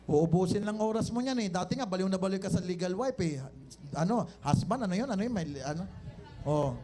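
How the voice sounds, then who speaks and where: A man's voice: high-pitched, animated, fairly quick, mellow. A man with a Filipino accent, the owner of a company, giving a live sales seminar and teasing his audience with jokes and rhetorical questions.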